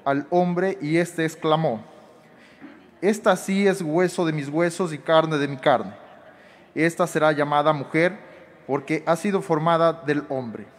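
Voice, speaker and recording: A young man reads scripture at an outdoor Mass in an even, careful way. His voice sits slightly high. A long reverb from the loudspeakers hangs after each phrase. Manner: steady, careful reading. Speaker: lay reader. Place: outdoor tented stage. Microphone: handheld microphone. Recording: reverberant public address sound.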